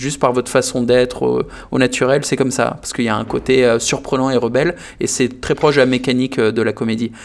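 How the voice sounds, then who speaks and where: Very fast, monotone, flat speech from a man at medium pitch, with vocal fry. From France. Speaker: business youtuber, interviewer. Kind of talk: interview, casual chat.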